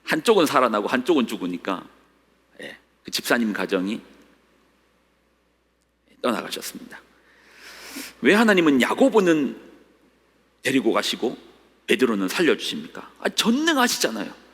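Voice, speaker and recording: A man's voice: mid-range voice, sing-song, moderate pace, pauses often, fairly bright tone, husky. A middle-aged male pastor preaching a sermon, dramatically voicing the complaints of the faithful with rising cries. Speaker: senior pastor. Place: church sanctuary. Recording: long reverb of a church hall.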